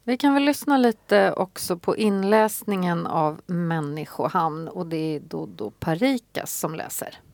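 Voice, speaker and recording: A woman's voice: fairly low pitch, creaky, few pauses, darkish tone, no room sound. Composed woman hosting a book talk. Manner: composed, asks guiding questions. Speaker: host.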